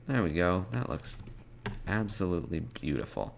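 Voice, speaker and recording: A man narrates a coding screencast as he works, thinking aloud in short, unscripted fragments. His voice is very low with a creaky fry, and he takes his time. Clear background noise sits behind him, with keyboard typing and mouse clicks. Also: sing-song, normal speed. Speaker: programming tutorial presenter.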